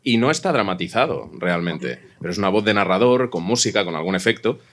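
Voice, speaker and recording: A man talks quickly in a casual panel discussion. He is informal and hesitant, tagging phrases with little questions to check that listeners follow. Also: low voice, lively intonation, a bit bright. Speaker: audio fiction podcast creator on a panel. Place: live panel event before an audience venue.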